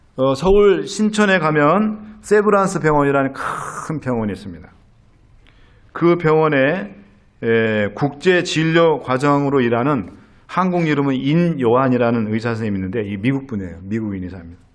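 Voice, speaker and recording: A man at a moderate pace with very wide pitch swings and audible room echo. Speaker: pastor. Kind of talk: sermon.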